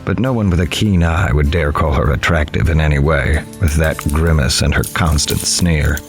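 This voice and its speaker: A grave reporter played by a man tells a horror story in a very deep voice. His delivery is measured, somber and literary, with music playing underneath. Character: grave, observant male newspaper reporter. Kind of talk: first-person narration of a horror audio drama. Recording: music behind the voice.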